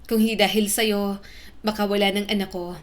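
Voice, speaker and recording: A woman's voice: medium pitch, little pitch movement, moderate pace, lightly acted. A woman voicing a frightened young mother who scolds through tears and then gives thanks, in a spoken story. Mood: grateful.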